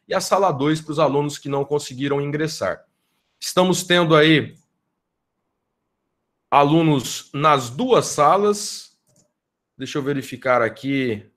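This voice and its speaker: A man with a Brazilian Portuguese accent, a law professor, gives an informal, effusive address to students in an online meeting, often tagging his sentences with "né?", heard over a video call. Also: a little high. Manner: effusive, grateful, tags sentences with "né?". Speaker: law professor leading a research group.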